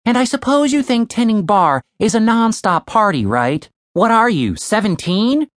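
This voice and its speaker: A man's voice: high-pitched, very animated, normal speed, dry recording, clean studio sound, pitched above the performer's own voice. Woman voicing a grumpy foul-mouthed young man. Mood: ranting. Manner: profane, ranting.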